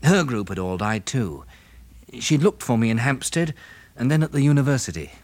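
A man with a British accent and husky voice, acting an affectionate, resolute survivor in a 1960s radio drama. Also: mid-range voice, sing-song, moderate pace, natural voice. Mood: grave narration.

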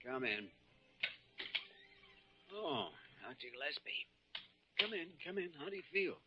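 An actor playing an earnest, dryly witty younger hospital doctor with a husky, measured voice in vintage radio drama style. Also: male voice, mid-range voice, sing-song, background noise. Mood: uneasy, protesting. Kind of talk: 1940s-50s radio drama acting. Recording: muffled vintage radio recording.

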